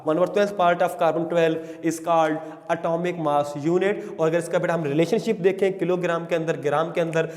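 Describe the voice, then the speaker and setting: A man's voice: fairly high pitch, steady tone, measured pace, few pauses, darkish tone, big-room sound. A middle-aged man with a Pakistani Urdu accent gives a chemistry entry-test lecture, coaxing students and dictating English definitions word by word. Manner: coaxing, calls students beta, asks and answers questions.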